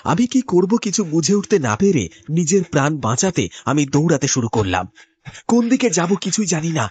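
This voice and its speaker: A man's voice: a little high, big pitch swings, normal speed, a little mellow. A man narrating a horror cartoon in the first person, in a tense, dramatic storytelling manner. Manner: tense, storytelling delivery with sudden rises.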